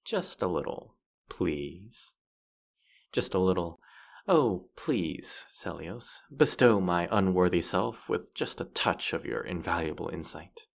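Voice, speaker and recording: A man's voice: low-pitched, lively intonation, takes it slowly, vocal fry, exaggerated voice. A man playing a playful, boastful demon guide to the afterlife in a roleplay audio drama, with a smug, teasing, theatrical delivery.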